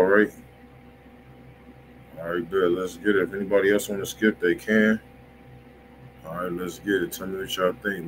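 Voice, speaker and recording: Laid-back American male stream host, deep voice, slangy and profane, light background noise. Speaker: host of a live music review stream. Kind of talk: casual slangy livestream chat. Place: small room indoors. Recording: noisy home livestream microphone.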